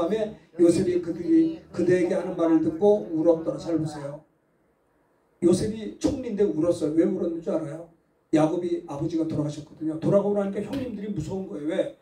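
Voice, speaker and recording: A male pastor preaches a Sunday sermon, his voice high and mellow, asking the congregation rhetorical questions and leading them through verses read aloud together. He is picked up from a distance, and the church hall rings with echo around him. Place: church sanctuary. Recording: echoey church hall from far off.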